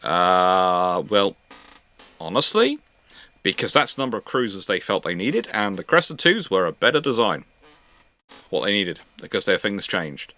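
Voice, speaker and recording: A male host chats through viewer questions in a bright, forceful voice. He often stammers and repeats words before landing a point. The sound is dry, with little room around it. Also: sits low, sing-song, normal speed, dry recording. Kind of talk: live question-and-answer chat on naval history.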